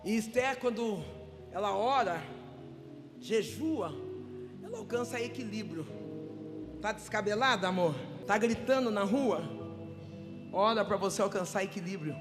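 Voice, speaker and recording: A woman pastor with a Brazilian Portuguese accent preaching a sermon, building up to shouted, fervent calls and speaking in tongues, recorded live in a church. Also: mid-range voice, animated, measured pace, long pauses. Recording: live church reverb with music. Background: music.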